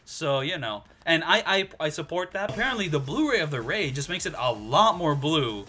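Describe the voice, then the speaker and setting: Gamer guy rambling over gameplay, stuffy nose from a cold, bright voice, lots of likes and you knows. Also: on the high side, lively intonation, moderate pace. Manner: rambling, lots of filler words. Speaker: gaming commentator. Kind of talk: casual gameplay commentary.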